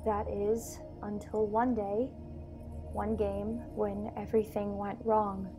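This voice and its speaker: A young woman acting a composed, devoted lower-caste starship attendant in a radio play, measured and formal in both dialogue and narration. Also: little pitch movement, over music, natural voice. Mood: wistful. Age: young adult. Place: bedroom, over a video call.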